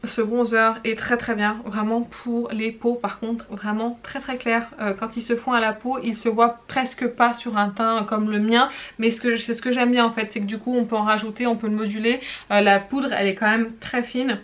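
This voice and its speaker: A somewhat high-pitched woman talks through her makeup favourites in a relaxed review. She rambles in a friendly way, often hesitating and correcting herself as she tries products on camera. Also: normal speed. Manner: chatty, frequent hesitations and self-corrections; demonstrates products while talking. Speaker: beauty vlogger.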